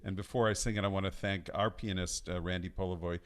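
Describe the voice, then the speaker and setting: Brief: male song leader, low voice, talks haltingly, restarts a lot, casual intro before singing. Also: fairly even intonation, a bit bright, clean tone. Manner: halting, searching for words with many restarts. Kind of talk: casual spoken introduction before singing at a live-streamed study night. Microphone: home setup singing over recorded accompaniment.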